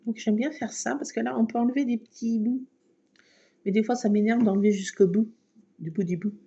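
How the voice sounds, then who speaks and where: Woman craft vlogger, mellow and gravelly, chatty and self-deprecating, dull lo-fi home recording. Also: on the high side, fairly even intonation, fairly quick. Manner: chatty, self-mocking, laughs often. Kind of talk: casual chat while crafting.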